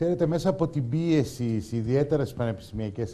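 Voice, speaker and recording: The voice is dark and mellow, moving at a moderate pace with lively intonation. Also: man. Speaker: urologist. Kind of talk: panel discussion. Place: hall.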